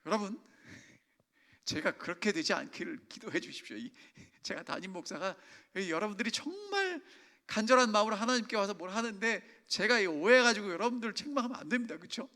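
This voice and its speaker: A man's voice: high-pitched, lively intonation, a little fast, bright, forceful tone. A man preaching a sermon as senior pastor, speaking emphatically and putting questions to his congregation. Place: church sanctuary. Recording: long church reverb.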